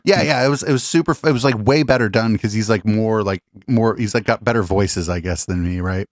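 A man's voice: on the low side, fairly quick, no room sound, clean studio sound. A man hosting a podcast interview, chatting loosely with restarts and casual swearing. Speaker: podcast host.

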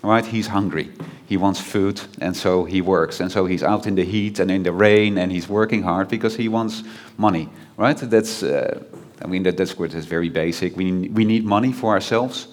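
A man's voice: low voice, normal speed. A man from the Netherlands with a Dutch accent, giving a chatty, informal sermon as a guest preacher, full of fillers and restarts.

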